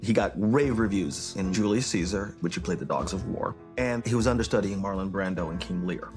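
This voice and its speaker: A man's voice: low-pitched, a little fast, over music, lightly acted. A man playing a self-important vocal coach giving a mock-documentary interview. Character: self-important male vocal coach recalling his work.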